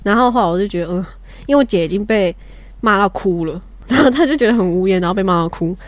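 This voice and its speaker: A young Taiwanese woman talks quickly in casual podcast chat. Her manner is blunt and fiery, and she often laughs through her stories. The sound is close and dry, with no room echo. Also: mid-range voice, lively intonation. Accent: Taiwanese Mandarin. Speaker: podcast co-host, younger sister.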